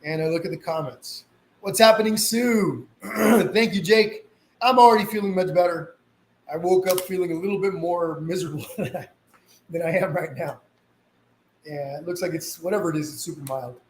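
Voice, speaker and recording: A man hosts a casual painting lesson in a slightly sniffly, fairly high voice. He guides viewers in an easygoing, reassuring manner. The sound is quite roomy, with a little background noise. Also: normal speed. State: slight sniffles from a mild cold. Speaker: painting instructor hosting a live session. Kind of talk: casual live painting tutorial.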